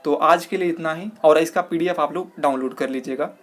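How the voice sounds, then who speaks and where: A young man with a fairly high voice, coaching students through exam questions. He works through each answer step by step, posing questions and answering them himself. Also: a little fast.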